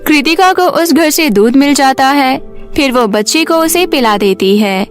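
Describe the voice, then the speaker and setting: High-pitched woman narrating a story. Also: expressive, measured pace. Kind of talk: scripted children's story narration. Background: background music.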